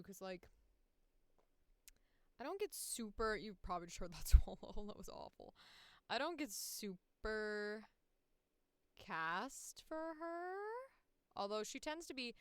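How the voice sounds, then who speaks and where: A woman livestreamer with a clear, smooth voice captured close and dry. She talks casually about her work as a voice actor, slangy and freely swearing, with a passionate delivery at an unhurried pace. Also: mid-range voice, dry recording. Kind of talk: casual livestream chat while working.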